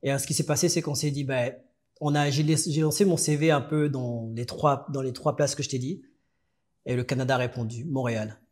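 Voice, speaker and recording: A man from France, a guest on a podcast interview, telling his story in a relaxed, halting way with frequent restarts. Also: mid-range voice.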